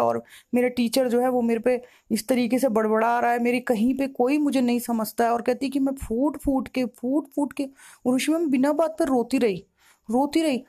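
Mellow woman retelling a client's story. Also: fairly high pitch. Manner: long reported-speech retelling, repetitive and emotional. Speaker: spiritual counselor.

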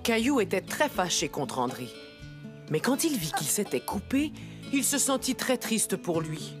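Female narrator, children's tale, mid-pitched, lively intonation, background music. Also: unhurried. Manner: expressive, clearly phrased. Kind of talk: scripted children's storytelling.

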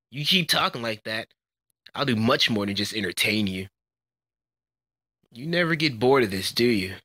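A man's voice: mid-range voice, lively intonation, normal speed, long pauses, pushed and bright, no room sound, poor audio. A man voicing a cocky, brash young martial arts fighter from a video game, with a taunting, swaggering delivery. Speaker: amateur voice actor. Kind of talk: character voice demo, video game fighter lines.

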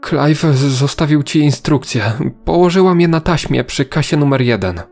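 Hurried female store clerk played by a male narrator, pitch lifted, brisk, horror storybook dialogue. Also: lively intonation, darkish tone. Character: hurried, breathless woman store worker.

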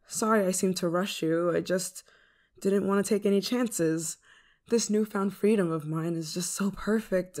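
A woman playing a clingy, desperate deviant android in love, in an intense, halting ASMR roleplay monologue. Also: lowish voice, a little mellow. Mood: anxious, tender. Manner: hesitant, halting, emotionally intense delivery.

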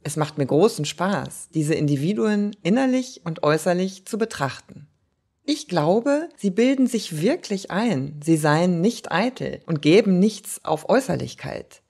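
A woman giving a lively, wry reading of old letters and diary entries. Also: fairly low pitch, measured pace, slightly rough. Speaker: reader.

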